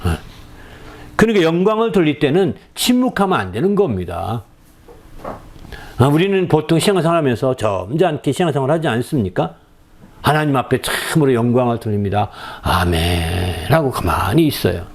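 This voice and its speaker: A male pastor preaching a sermon, often prompting the congregation with quick questions and shifting between soft asides and raised exclamations. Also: medium pitch, very animated, slight background noise.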